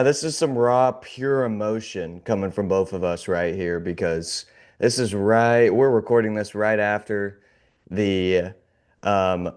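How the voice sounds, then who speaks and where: A man with a lowish, clear, resonant voice hosts a casual sports podcast while recovering from an illness that leaves his voice a little off. He sounds glum and sarcastic, laughing off the gloom with wry humor.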